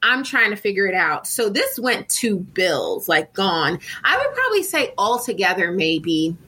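A woman in her thirties with a bright, slightly breathy voice that sits fairly high. She chats as a podcast guest, swooping all over her range as she acts out quoted asides and laughs often. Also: big pitch swings, unhurried. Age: 30s. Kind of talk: casual chat.

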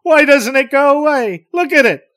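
A man's voice: high voice, expressive, normal speed, fairly bright tone, voice pushed up. A man reading the part of a terrified man reliving an encounter, stammering and breathless with panic. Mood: panicked.

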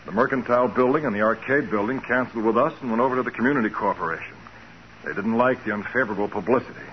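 Actor as troubled, plain-spoken company superintendent. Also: male voice, medium pitch, racing, close to an everyday voice. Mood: worried, discouraged. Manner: troubled, earnest, folksy. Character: worried, plain-spoken male window-cleaning company superintendent. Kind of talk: 1940s radio crime drama acting. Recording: muffled, noisy 1940s radio recording.

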